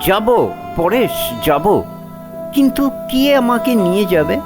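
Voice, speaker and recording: An actor playing a dazed, broken old uncle who pleads meekly in an audio story drama. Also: male voice, high voice, very animated, slow, exaggerated voice. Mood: pleading, wistful. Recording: echoey reverb, clear music behind.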